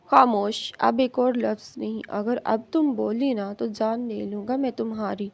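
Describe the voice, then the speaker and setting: A woman's voice: a little high, gravelly, darkish tone, highs cut off. A woman reader voicing a possessive, angry young male professor who scolds and threatens his wife. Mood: threatening. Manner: harsh, commanding, threatening.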